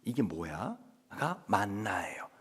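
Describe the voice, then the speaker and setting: Animated pastor preaching. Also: male voice, slow pace, husky. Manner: animated, acts out quails and children in high voices; asks the congregation questions constantly. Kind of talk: dawn revival sermon. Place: church sanctuary.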